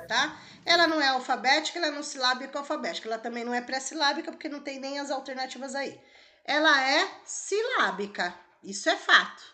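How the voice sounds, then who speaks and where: A woman teacher whose voice sits high and sounds pushed and bright guides students through an exam question piece by piece. She asks the class questions as part of this exam-prep walkthrough.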